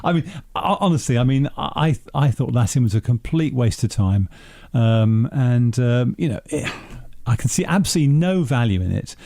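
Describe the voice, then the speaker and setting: A man's voice: mid-range voice, animated, moderate pace, creaky, mellow. A man, a businessman guest in a radio studio, giving blunt, firm opinions in casual discussion.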